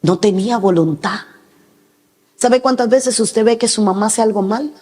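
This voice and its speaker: A woman's voice: medium pitch, moderate pace, darkish tone. A woman pastor preaching a sermon with emphatic delivery, now and then acting out the voices she quotes. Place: large church hall. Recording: reverberant hall.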